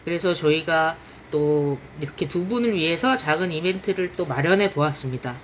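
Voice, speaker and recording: A woman's voice: sits low, normal speed, slight background noise. A woman hosting a casual livestream, cheerfully announcing an event to viewers. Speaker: livestream host.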